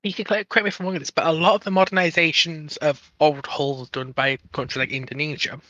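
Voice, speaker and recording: Bright-voiced man, halting, slightly muffled. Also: fairly high pitch, little pitch movement, no room sound. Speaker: panel guest. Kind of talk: casual technical discussion.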